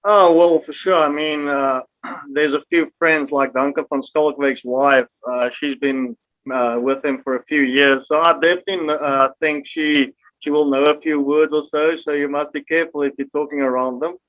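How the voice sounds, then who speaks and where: A young South African man whose first language is Afrikaans, a rugby player chatting in an interview, relaxed and hesitant with many fillers. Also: a little high, moderate pace, muffled recording. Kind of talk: casual interview chat.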